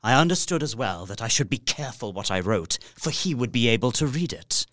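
An actor playing a proper, apprehensive young Victorian gentleman narrating his journal in an audio drama, measured and formal. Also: medium pitch, expressive, lightly acted. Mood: grave, uneasy.

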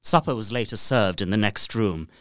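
A man's voice: on the low side, normal speed, clear, resonant tone, no room sound, clean studio sound, lightly acted. An actor playing an uneasy young solicitor, narrating his journal formally and dramatically in an audio drama. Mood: uneasy, hushed.

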